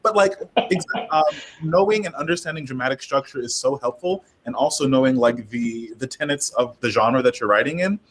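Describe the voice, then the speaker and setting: A man's voice: medium pitch, fairly quick, background noise. A man speaking casually as a writer on a discussion panel, offering advice. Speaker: audio drama writer and panelist.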